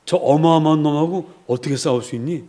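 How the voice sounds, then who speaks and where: A man's voice: fairly high pitch, fairly quick, mellow, lightly acted. A man playing a fearful, scornful older brother soldier who speaks in a scolding, dismissive way.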